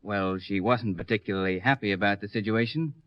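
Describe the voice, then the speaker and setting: A male actor as a courteous, measured lawyer from an old radio drama serial. The voice is low and the manner matter-of-fact and careful. The sound is close, dry and lo-fi. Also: smooth, no room sound, lightly acted. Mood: earnest, measured. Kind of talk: 1950s American radio detective serial acting.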